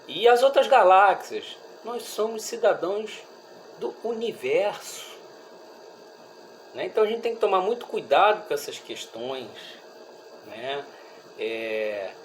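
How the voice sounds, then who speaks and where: A man with a Brazilian accent giving a religious study talk in a reflective, halting way, often checking in with listeners. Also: on the high side, a little hiss or hum, poor audio. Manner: reflective, halting, with frequent rhetorical check-ins. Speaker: speaker at a Spiritist study group.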